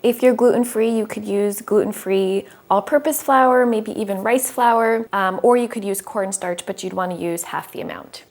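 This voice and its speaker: A woman's voice: medium pitch, moderate pace, few pauses, darkish tone. A young woman in her twenties hosting a casual cooking video in her home kitchen, chatty and upbeat as she explains each step. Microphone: small lapel mic.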